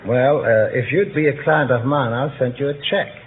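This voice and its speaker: A man's voice: medium pitch, normal speed. A man from Poland, a quiz show contestant working as an insurance broker, answering politely and earnestly. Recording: lo-fi 1950s broadcast audio, hiss.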